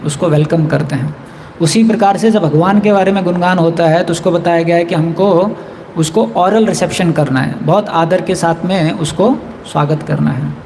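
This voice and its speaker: A man's voice: high voice, a little mellow, in a large hall, a little hiss or hum, rough recording. A man giving a scripture class in a temple, explaining verses, chanting lines in Sanskrit and reading quotations in English. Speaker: temple speaker. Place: temple hall.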